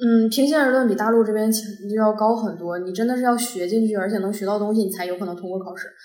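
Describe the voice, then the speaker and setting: A woman with a fairly high pitch talks at a very fast pace, her intonation fairly even and her speech hardly pausing. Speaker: former exchange student. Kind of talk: casual interview chat.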